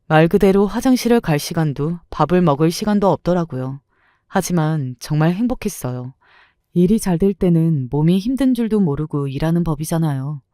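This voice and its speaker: A woman tells her own story in a calm, confiding, reflective tone with a mellow, soft-edged voice. The recording is dry and close with no room sound. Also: deep voice, a little fast, no room sound. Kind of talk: first-person story narration.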